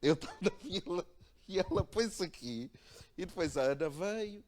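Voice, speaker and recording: Animated Portuguese pastor telling a story. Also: male voice, high-pitched, normal speed. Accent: European Portuguese. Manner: animated storyteller, laughs at himself, acts out dialogue. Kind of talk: conversational sermon with a personal story. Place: church.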